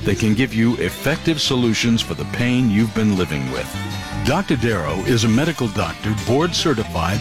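Male announcer over guitar music. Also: medium pitch. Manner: polished promotional read. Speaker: show announcer.

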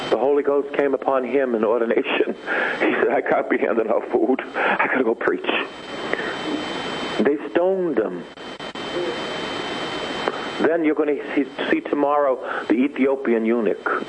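A man's voice: mid-range voice, measured pace, long pauses. A middle-aged man preaching a fervent charismatic sermon and leading repetitive, intense prayer. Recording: tinny phone-like sound, faint hiss.

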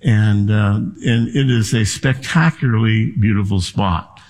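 A man delivering a Sunday sermon as pastor, explaining scripture in a conversational way with frequent pauses and fillers. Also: fairly low pitch, darkish tone, big-room sound. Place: church sanctuary.

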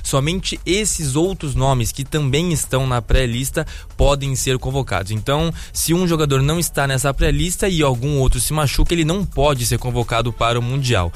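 A man's voice: medium pitch, moderate pace, hardly any pauses. A man giving an enthusiastic, explanatory sports update on a radio show. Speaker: sports reporter.

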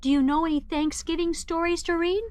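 A woman's voice: very high voice, steady tone, a little fast, darkish tone, no room sound, pitched above the performer's own voice. A woman voicing a vain, fussy female puppet named Ramona, who talks in a prim, affected way.

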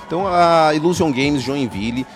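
A man's voice: on the high side, moderate pace, faint music behind. A man from Brazil, a game store owner, chatting in an upbeat, salesy way as a guest at an outdoor festival. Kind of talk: casual promotional interview.

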